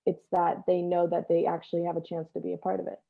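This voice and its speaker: A woman's voice: lowish voice, monotone, fast, creaky. A woman chatting casually as an interview guest, heard through tinny, narrow call audio. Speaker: stage actor, panel guest.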